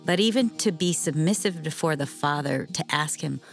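A woman's voice: deep voice, normal speed, soft background music. A middle-aged woman co-hosting a faith-based marriage show, talking earnestly and candidly about her feelings. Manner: heartfelt and candid, speaks openly about feelings. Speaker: co-host of a marriage radio show.

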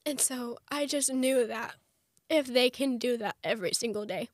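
Chatty young woman, bright voice. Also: fairly high pitch, no room sound, clean studio sound. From United States. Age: young adult. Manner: chatty, fast, lots of fillers. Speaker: guest. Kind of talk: conversational interview.

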